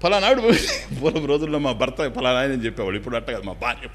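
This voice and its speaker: A man, a swami, giving a spiritual discourse in an animated storytelling manner, now and then dropping in English phrases. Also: medium pitch, rapid-fire. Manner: animated, acts out anecdotes, drops English phrases.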